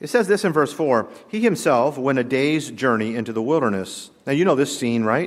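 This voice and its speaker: On a very clean recording with a silent background, a man with a Southern US accent talks with lively intonation at a fairly high pitch. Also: moderate pace. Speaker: pastor. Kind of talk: sermon. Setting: church.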